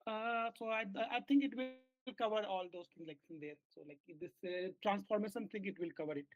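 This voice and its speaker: Halting man explaining a bug. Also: high-pitched. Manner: halting explanations full of fillers and restarts. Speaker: software engineer. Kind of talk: work meeting on a video call. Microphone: video call. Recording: dull lo-fi call audio.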